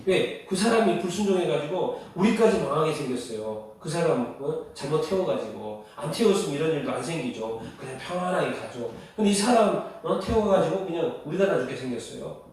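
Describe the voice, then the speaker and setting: A male pastor preaches in a church sanctuary. He fires rhetorical questions at his listeners and stresses his answers. His somewhat high voice reaches the mic from a distance, wrapped in heavy hall echo. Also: expressive, brisk, a little mellow. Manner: asks the congregation rhetorical questions, emphatic. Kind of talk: sermon. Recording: echoey hall, voice heard from a distance.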